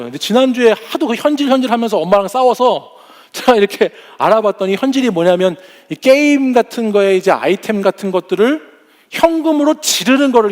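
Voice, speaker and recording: A pastor in his forties preaching a sermon, telling humorous family stories and acting out his kids' voices. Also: high voice. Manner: warm storytelling with humorous anecdotes; acts out family members' voices.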